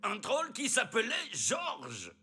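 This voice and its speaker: A man voicing a big horned male wrestler, boastful and loud but terrified of trolls. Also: sits high, huge pitch swings, slow, in a large hall, faint music behind, exaggerated voice. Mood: fearful. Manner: boastful then fearful, shouting.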